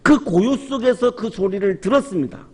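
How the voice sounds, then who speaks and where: A man in his fifties gives a Sunday sermon with a fairly high voice. He tells the story at an easy pace and acts out quoted lines, some hushed and some called out loud. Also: expressive, moderate pace, slightly rough. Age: 50s. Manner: storytelling with soft acted quotes and sudden raised exclamations. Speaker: pastor. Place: church sanctuary.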